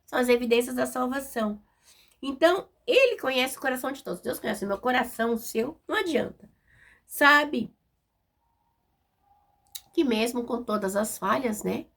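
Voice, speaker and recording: A Brazilian-accented woman delivers a sermon in a plain, direct, conversational way, often checking in with her listeners. Her voice sits a little high, with a gravelly edge and a husky, rough texture. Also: lively intonation, moderate pace, pauses often, fairly bright tone. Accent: Brazilian Portuguese. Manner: direct, informal, frequent tag questions. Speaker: preacher.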